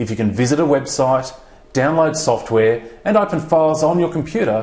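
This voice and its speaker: Here a man talks with an Australian accent. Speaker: online course instructor. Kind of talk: tutorial. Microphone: lapel.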